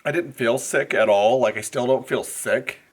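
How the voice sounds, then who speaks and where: A first grade teacher in his forties vlogs to camera, first in his classroom and then inside a car, chatting in a rambling way full of fillers. His mid-range voice is slightly rough and congested, at a moderate pace, with faint road noise in the background.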